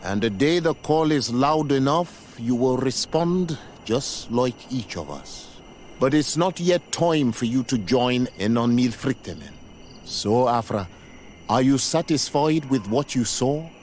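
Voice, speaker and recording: A man acting a stern, solemn tribal elder and teacher in a video game, speaking in a measured, commanding way. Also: medium pitch, expressive, darkish tone, slight background noise, natural voice. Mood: solemn, instructing.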